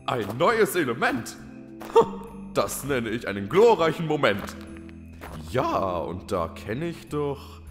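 A man's voice: mid-range voice, sing-song. A man playing a restless little town master creature in a children's audio drama, musing theatrically. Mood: excited, scheming. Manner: theatrical, musing, drawn-out delivery. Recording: hall-like reverb with music.

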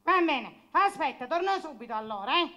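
A performer voicing a cheeky, clownish male trickster puppet in a squeaky, shrill voice, with excitable repeated exclamations. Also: normal speed. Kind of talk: Italian puppet theatre slapstick.

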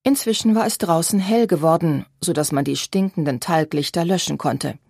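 A woman reading an audiobook as narrator, in a measured, even manner. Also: on the low side, gravelly, husky, no echo, studio quality. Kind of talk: scripted narration.

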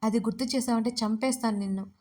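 A woman's voice: on the high side, steady tone, fast, natural voice. Woman reading as a hot-tempered young woman. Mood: angry. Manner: scolding, sharp-tongued.

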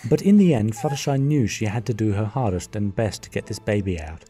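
A man's voice: lowish voice, lively intonation, brisk, dark tone, faint music behind. Man narrating with wry humor. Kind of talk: fan radio play narration.

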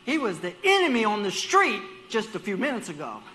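Male guest preacher, bright high voice, animated storyteller who plays out dialogue. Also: a little fast, slight background noise. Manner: repeats words while gathering his thoughts. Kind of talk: sermon.

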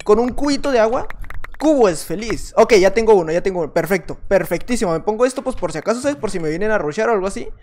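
A man with a Mexican accent giving casual gameplay commentary, chatty and repeating short phrases over and over, sometimes bursting into loud excited yelling. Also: sits high, fast. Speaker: gaming channel host.

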